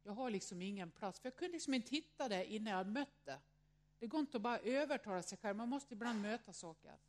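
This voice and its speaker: A woman's voice: mid-range voice, animated, slight background noise. Earnest woman around sixty, telling her story. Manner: reflective, earnest, fills speech with "liksom"; acts out quoted voices in her story. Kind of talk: personal storytelling to an audience.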